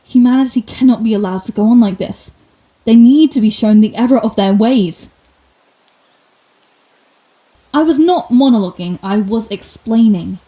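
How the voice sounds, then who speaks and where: A woman playing a proud, sardonic telepathic villain with a secret soft side, in a theatrical, wry manner for an intimate ASMR roleplay. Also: on the high side, normal speed, close to an everyday voice. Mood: grandiose, bitter. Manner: theatrical, wry, flustered denials, grand pronouncements.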